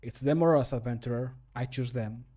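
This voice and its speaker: A man voicing a grave, stoic fantasy adventurer in measured, solemn game voice lines. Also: medium pitch, mellow, natural voice. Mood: resolute.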